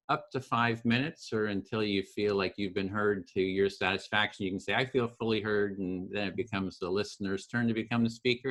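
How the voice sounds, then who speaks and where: A soft-spoken man with a fairly low voice hosts the call. He explains the process gently and keeps pausing with uh and restarting his sentences. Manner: halting, lots of uh and restarts, gentle. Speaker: host and facilitator. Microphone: video call.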